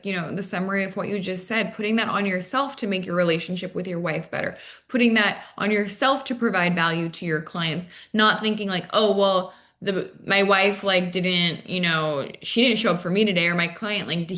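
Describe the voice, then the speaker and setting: A woman's voice: medium pitch, fairly quick, few pauses, fairly bright tone. A woman from Arizona with an American accent, talking conversationally as an interview guest and dating coach, casually peppering her speech with "like" and "you know". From Arizona, United States.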